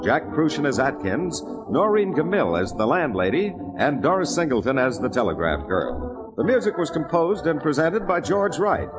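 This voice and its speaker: Old radio announcer man, very animated, music behind. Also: fairly high pitch, rough recording. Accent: American. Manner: polished, emphatic sales delivery, spelling out words. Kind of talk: old-time radio announcer, scripted ad read and credits.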